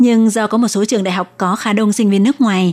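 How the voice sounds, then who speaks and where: A plain, everyday voice at a fairly quick pace with ordinary pitch variation, dry and close with no echo. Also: woman. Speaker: radio presenter. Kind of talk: news reading. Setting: studio.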